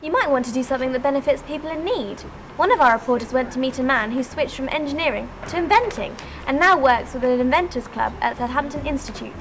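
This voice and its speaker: A woman presenter reading scripted narration in a clear delivery. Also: high-pitched, fast talker, few pauses, background noise.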